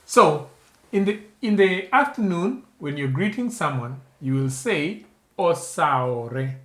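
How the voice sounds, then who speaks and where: A man's voice: sits high, very animated, measured pace, fairly bright tone. A man with a Kenyan accent giving a beginner language lesson, patiently instructing and prompting the learner to repeat. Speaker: language teacher.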